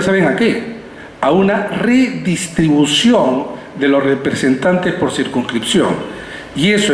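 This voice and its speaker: A man with a Peruvian Spanish accent giving a public lecture, explaining in a didactic way with rhetorical questions and checking in with his listeners. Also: fairly high pitch. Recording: echoey reverberant hall, background noise.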